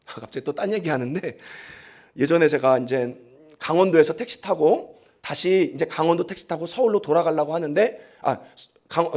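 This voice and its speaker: A pastor preaching a sermon, telling stories with lively drama and acting out the people he quotes, often speaking straight to the congregation. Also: on the high side, slightly rough. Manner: animated storytelling, acts out quoted voices; talks straight to the congregation, asks them to repeat.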